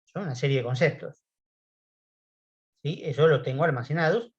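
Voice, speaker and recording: A man's voice: on the high side, moderate pace, slightly rough. A man with an Argentine accent giving a university lecture, explaining in a conversational way and often checking in with his students. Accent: Argentine Spanish. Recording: muffled lo-fi class recording.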